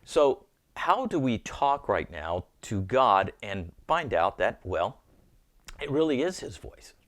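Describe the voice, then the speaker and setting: A man's voice: mid-range voice, very animated, slow. A man giving an earnest, informal Christian teaching, often repeating words as he thinks aloud.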